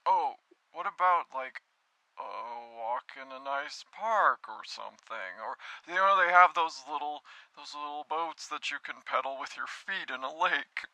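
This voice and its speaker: A man's voice: a little high, measured pace, bright, forceful tone, no room sound, heavily acted, rough recording. A man voicing an earnest, awkward, brooding young man with a sad childhood in a conversational cartoon spoof, talking hesitantly and with self-pity.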